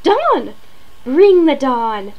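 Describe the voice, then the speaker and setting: A woman voicing a sweet, excitable young girl with a childlike, emphatic manner, for an amateur character audition. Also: high voice, extremely slow, dull audio, full character voice. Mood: excited, cheering.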